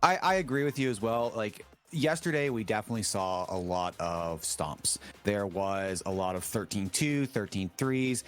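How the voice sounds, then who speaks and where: A man casting an esports tournament in a relaxed, chatty way, full of fillers. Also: fairly low pitch, moderate pace, few pauses, soft background music. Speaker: esports caster.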